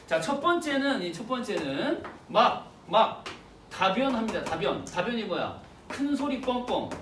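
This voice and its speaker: A male teacher giving an exam-prep literature lecture in an animated, slangy way, quizzing his students with rhetorical questions. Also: high-pitched, measured pace. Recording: roomy, distant with faint hiss.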